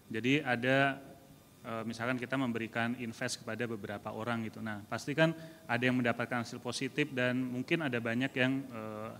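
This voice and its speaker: A man's voice: mid-range voice, a bit bright, in a large hall, slight background noise. A man, a civil servant in the audience, asking a formal question deferentially, with hesitations.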